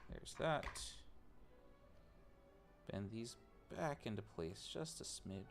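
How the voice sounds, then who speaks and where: Low-voiced guy streaming while he tinkers, super animated, rambles and jokes on himself to chat. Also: slow pace, creaky, soft background music. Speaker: streamer building a robot. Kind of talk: casual live-stream chat while working.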